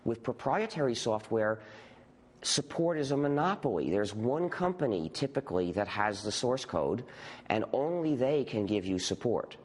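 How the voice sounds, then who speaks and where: A man explaining software history in a measured way during a documentary interview. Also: medium pitch, sing-song, in a large hall. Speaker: interviewee, software project founder.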